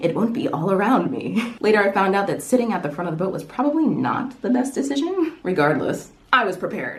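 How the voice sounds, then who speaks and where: Noticeable background noise runs under this recording. A woman speaks at a medium pitch with very wide pitch swings. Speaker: travel vlogger. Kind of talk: casual storytelling to camera.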